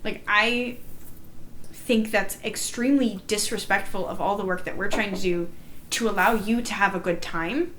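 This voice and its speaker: A woman's voice: mid-range voice, moderate pace, a bit bright, low-quality recording. Female, mid-range voice, emphatic and indignant storyteller in a group chat; some background noise. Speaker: player recounting a live-action roleplay game. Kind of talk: animated storytelling in a group discussion.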